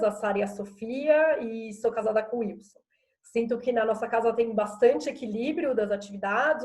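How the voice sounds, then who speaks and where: A woman's voice: a little high, mellow. A woman in her forties, a guest HR director, introducing herself in a composed, orderly way. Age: 40s. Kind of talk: self-introduction on a live talk.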